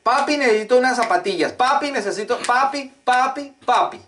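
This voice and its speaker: A man's voice: very high-pitched, a little fast, fairly bright tone, a little hiss or hum, pitched above the performer's own voice. A man voicing a small child who keeps pleading with his parents for things. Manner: repetitive pleading.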